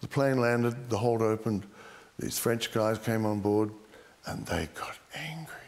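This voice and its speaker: With an Australian accent, a man speaks at a fairly slow pace and keeps his intonation fairly even. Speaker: adventurer recounting his life. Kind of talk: interview. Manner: halting. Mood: reflective, candid storytelling. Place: home room.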